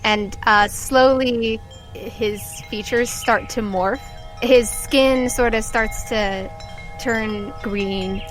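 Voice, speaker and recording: A woman hosts a tabletop game podcast as game master. Her voice sits fairly high as she narrates. Faint music plays behind her. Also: steady tone, very slow, fairly bright tone. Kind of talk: narrating an actual-play game, then scripted credits.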